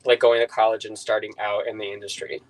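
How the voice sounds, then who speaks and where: A man's voice: lowish voice, little pitch movement, quick pace, low-quality recording. A young man on a video call asking questions in a hesitant way, with many fillers. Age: young adult. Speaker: student caller.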